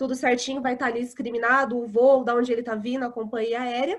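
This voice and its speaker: The woman's pitch is high. She speaks at a moderate pace. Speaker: English teacher. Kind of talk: online class.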